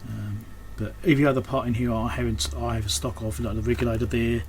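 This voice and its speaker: A man with a mid-range, fairly monotone voice talks fast, offering casual, unscripted commentary as he does hands-on repairs. An electronics repairer and video host, he thinks aloud and often trails off mid-thought at an indoor workbench. The recording has clear background noise and room ambience.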